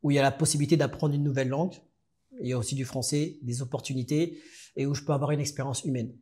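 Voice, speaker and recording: Speaking at a medium pitch, a French man being interviewed on a podcast relates his story. His delivery is relaxed but halting, full of restarts.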